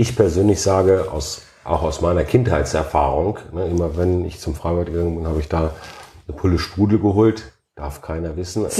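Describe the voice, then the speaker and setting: The man's very deep, low pitch carries at a moderate pace. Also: ordinary pitch variation. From Germany, Lower Saxony. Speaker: mayor. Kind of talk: casual chat.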